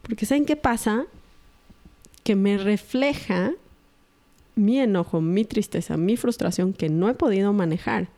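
A middle-aged woman talks earnestly to an audience about raising her children. Her voice is mellow and relaxed, at a middling pitch, and she acts out what others say as she goes. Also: measured pace. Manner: earnest, acts out quoted dialogue. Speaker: mother sharing parenting advice. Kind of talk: reflective talk to an audience.

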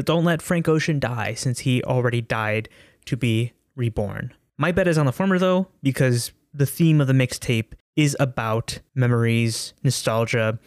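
A man giving a spoken album review in an earnest, thoughtful way, with a few restarts and drawn-out words. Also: medium pitch, dry recording, studio quality. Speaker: music reviewer.

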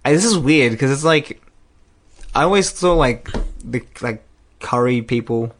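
A man's voice: medium pitch, lively intonation, a little slow, a little hiss or hum. A young man in a casual personal chat, talking in a rambling, self-deprecating way with frequent small laughs. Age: young adult.

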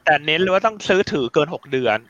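A man hosting a stock market chat, talking in a quick, chatty, teasing way. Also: a little high, lively intonation, fairly bright tone, highs cut off. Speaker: stock market show host.

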